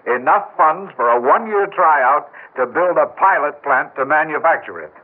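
A man's voice: fairly high pitch, lively intonation, moderate pace, breathy edge. An actor playing an earnest, driven scientist in a 1960s radio drama, who pleads his case with intensity. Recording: tinny old radio broadcast.

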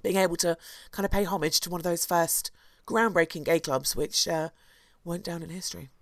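A hoarse woman, co-hosting a podcast and chattily telling a history story, with asides and restarts. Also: lowish voice, fairly even intonation, a little fast, dry recording, studio quality. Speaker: podcast co-host. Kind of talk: casual chat, storytelling history.

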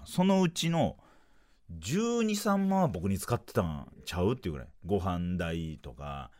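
Animated thirties man with Kansai accent. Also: sits low. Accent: Kansai Japanese. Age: 30s. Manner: animated, acts out dialogue in quick bursts. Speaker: podcast host, comedian. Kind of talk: solo comedic storytelling.

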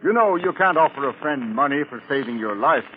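An actor playing a genial, wealthy older movie producer in 1940s radio drama style. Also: male voice, mid-range voice, lively intonation, brisk, natural voice. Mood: genial, reflective. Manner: hearty, genial, expansive. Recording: narrow-band old radio, faint noise.

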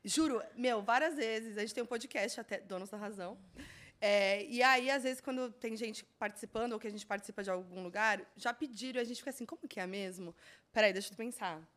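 A young adult woman hosting a podcast interview, eager and giggly, with quick affirmations. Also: a little high, a bit bright. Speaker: podcast host. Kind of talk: casual interview chat.

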